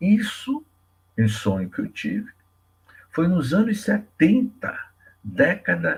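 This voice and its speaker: This is a man speaking. His pace is very slow. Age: 60s. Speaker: spiritist lecturer. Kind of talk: spiritual lecture.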